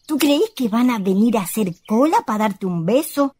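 An actress playing a bossy, scolding elder-sister ghost in a radio play, with an expressive rustic Chilean accent. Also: female voice, a little high, normal speed, husky. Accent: rural Chilean. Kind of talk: radio theatre acting.

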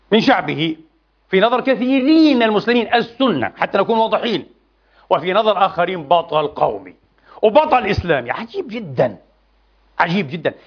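A middle-aged man preaching a Friday sermon in a mosque, impassioned and emphatic, hammering points home with repetition. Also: high-pitched. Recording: dull lo-fi sound.

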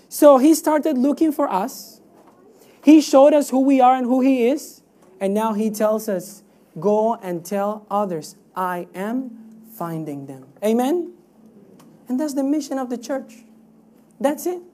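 A woman's voice: fairly high pitch, dark tone. A woman from Cuba preaching a sermon in an emphatic, teaching way, with rhetorical questions and repeated phrases.

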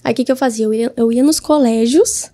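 A woman's voice: a little high, fairly quick, dark tone. A woman, a guest entrepreneur, telling her story in a casual interview and acting out her own past words.

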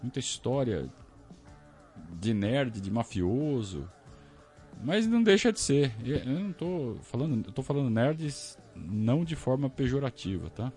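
A Brazilian man hosting a casual live stream, talking to his audience in an animated, ranting way. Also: mid-range voice, measured pace, soft background music. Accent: Brazilian Portuguese. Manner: animated, talks to the audience, rants and self-questions. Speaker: podcast host reading superchats. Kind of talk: casual live-stream chat about football.

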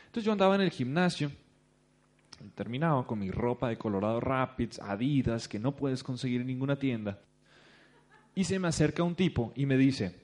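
In a medium-pitched voice and at a moderate pace, a Mexican-accented man delivers a business talk to an audience. His storytelling is animated, and he plays out each person he quotes.

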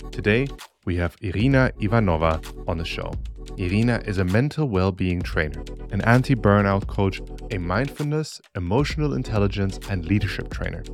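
A man with a fairly low voice opens a podcast in an earnest, measured way. He reads a prepared intro to his guest. Music plays clearly under him. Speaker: podcast host.

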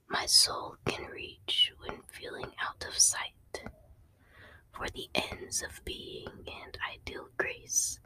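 A woman hosting an ASMR channel, reading poems in a soft, unhurried whisper and occasionally stumbling over words. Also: very high-pitched.

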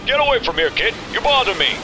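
Casting: brash mechanical fairground barker, very high, wildly animated pitch, showy old-time patter. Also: male voice, fast, rough recording. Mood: grumpy. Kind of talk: showy carnival patter in audio drama. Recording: music under the voice.

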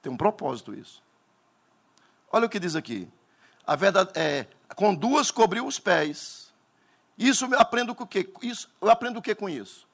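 A Northeastern Brazilian man preaching a Pentecostal sermon, telling stories dramatically and bursting into shouts. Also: sits high, sing-song, fairly quick.

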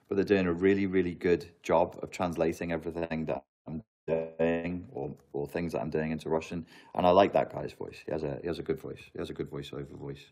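A man, chatting casually on a live stream, answering viewer questions in a rambling, joking, self-mocking way. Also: sits low.

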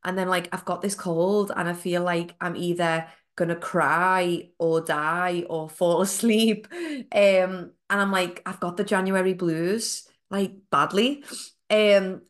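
A woman's voice: on the low side, steady tone, a little slow. Congested woman podcasting. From United Kingdom. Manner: chatty and encouraging, with frequent ums and likes. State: nasal and congested from a cold. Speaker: podcast host, fitness coach. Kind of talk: casual solo podcast talk.

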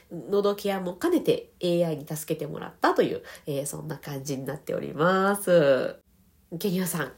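A woman voice trainer with a Kansai accent, hosting a casual livestream, reading comments politely and laughing often while recovering from a sore throat. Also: fairly low pitch. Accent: Kansai Japanese. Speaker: voice trainer and podcast host.

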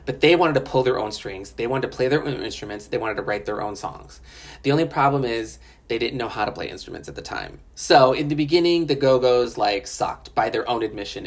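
A woman in Los Angeles giving a casual, chatty spoken review of a documentary, frank and often profane, with lots of fillers. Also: a bass voice.

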